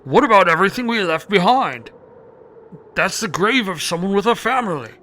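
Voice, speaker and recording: Man voicing a bright, high-voiced working dude. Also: expressive, moderate pace. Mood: brooding banter. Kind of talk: reading game dialogue aloud in character.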